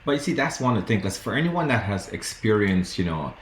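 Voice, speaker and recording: A man from Guyana interviewing a musician in a relaxed, enthusiastic way. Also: on the low side, fast talker, reverberant, slight background noise. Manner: enthusiastic, affirming listener. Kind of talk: casual interview.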